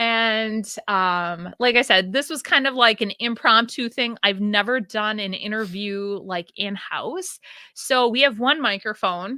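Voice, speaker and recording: A woman speaks loudly and fairly slowly at a fairly high pitch, her tone bright and sharp. The recording is very clean, with a silent background. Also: ordinary pitch variation. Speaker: podcast host, small business owner. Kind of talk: casual chat. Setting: home recording, one shared microphone.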